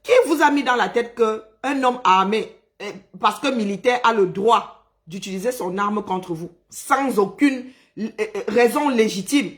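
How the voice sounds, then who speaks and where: A man's voice: high voice, unhurried, fairly bright tone. A man from Cameroon, ranting on a live stream, agitated and indignant, hammering his points home by repeating phrases. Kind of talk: angry live-stream rant.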